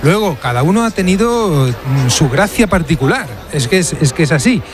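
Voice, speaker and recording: A man offers studio commentary in a slightly raised voice. He speaks in a measured, thoughtful way. He weighs each point before moving on. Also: a little high, very animated. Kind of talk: reflective radio commentary.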